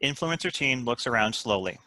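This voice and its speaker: A man's voice: mid-range voice, lively intonation, fairly quick, bright, forceful tone, soft background music. A man reading screenplay stage directions as narrator at a script table read.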